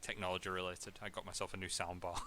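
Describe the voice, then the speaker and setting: A man's voice: sits low, little pitch movement, fast talker, bright, forceful tone, a little hiss or hum. A man co-hosting a gaming podcast in casual chat, with dry teasing humour. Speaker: podcast co-host.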